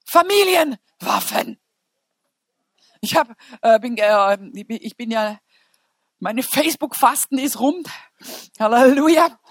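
A woman preacher giving an informal, humorous sermon in an animated, colloquial storytelling manner. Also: on the high side, slow, long pauses, dry recording, studio quality.

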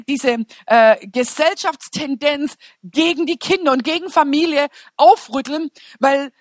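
A woman preacher giving an informal, humorous sermon in an animated, colloquial storytelling manner. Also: high voice, no echo.

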